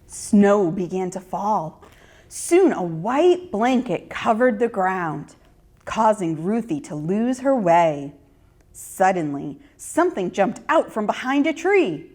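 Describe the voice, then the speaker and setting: Slow, expressive woman storyteller. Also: mid-range voice. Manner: expressive, deliberate. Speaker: children's storyteller. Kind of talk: scripted storybook narration.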